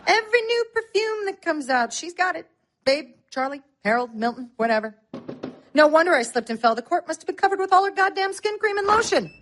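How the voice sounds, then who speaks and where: Deadpan sardonic wife, middle-aged, high voice, lively pitch. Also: female voice, a little fast, heavily acted. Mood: dry. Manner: deadpan wisecracks. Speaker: injured vacationing wife. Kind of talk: comic film acting.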